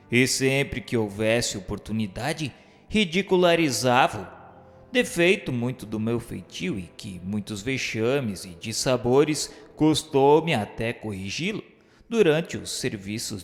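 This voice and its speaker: Man acting a slow, reverberant, sardonic storyteller. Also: medium pitch. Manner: theatrical, mocking, literary diction. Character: sardonic, ill-humored dead man recounting his afterlife. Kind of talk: dramatized first-person radio novel narration. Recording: long hall reverb, music underneath.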